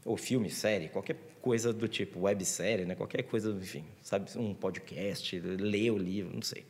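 A man's voice: lowish voice, fairly even intonation, normal speed, a little mellow, long reverb tail, a little hiss or hum. A man with a Brazilian accent, telling a long story in loose, slangy chat with many restarts. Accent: Brazilian Portuguese. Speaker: guest author. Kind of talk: casual chat.

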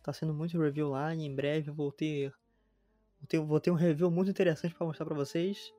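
A man's voice: on the high side, steady tone, a little fast, dark tone, dry recording, soft background music. A man of twenty, hosting a podcast in a chatty, slangy way and reading a promo with energy. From Brazil. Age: 20s. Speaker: podcast host.

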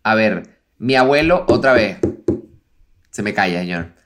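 A man's voice: on the low side, animated, measured pace, fairly bright tone. A young Venezuelan man trades banter on a podcast. He is wry and teasing, and he swears freely while he riffs on odd home remedies. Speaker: podcast co-host. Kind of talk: casual chat.

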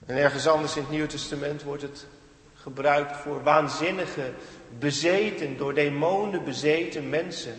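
A man preaching a sermon with earnest emphasis, rising to emphatic peaks and dropping quiet again. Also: fairly high pitch, steady tone, moderate pace. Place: church. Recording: echoey church hall with long reverb.

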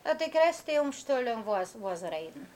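A woman's voice: on the high side, very animated, measured pace, darkish tone. A woman, recalling things casually and repeating her phrases. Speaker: emigrant interviewee. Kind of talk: casual spoken recollection. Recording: faint room noise.

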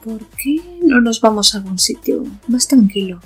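A woman playing a seductive, hungry vampire in an audio drama, with a coquettish, predatory way of talking and a husky voice. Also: fairly high pitch, moderate pace, soft background music. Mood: seductive, menacing. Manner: coquettish, purring. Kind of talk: audio fiction acting.

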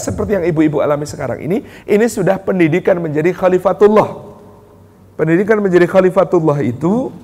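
Male preacher from Yogyakarta, fairly high voice, lively parenting talk acting out family dialogues, reverberant hotel hall. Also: breathy edge. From Yogyakarta, Indonesia. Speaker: Islamic preacher. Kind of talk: religious parenting talk to an audience. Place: hotel function room. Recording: echoey hall sound.

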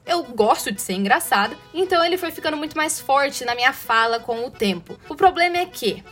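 This podcast host hails from inland São Paulo state in Brazil and has a thick caipira accent marked by a rolled-back R. Her voice runs fairly high, and her casual educational monologue is chatty and playful, peppered with sarcasm.

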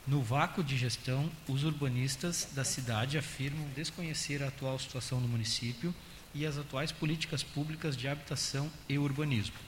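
A man with a Brazilian accent reading council motions aloud in a steady, measured official tone. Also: mid-range voice. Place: council chamber. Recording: echoey chamber audio with faint hiss.

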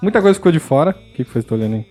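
A man's voice: fairly high pitch, lively intonation, racing, a little mellow, faint music behind. A man with a Brazilian accent hosting a casual podcast chat, joking and laughing often. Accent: Brazilian Portuguese. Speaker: podcast host.

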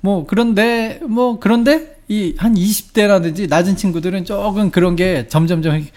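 A man's voice: high voice, moderate pace, darkish tone. A Korean man in his forties explaining things in a casual chat and acting out short dialogues. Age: 40s. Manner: explanatory, acts out little dialogues.

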